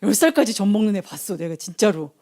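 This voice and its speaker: A young woman preacher telling a Bible story to children in an animated way, asking them questions and acting out the voices. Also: medium pitch, fast talker.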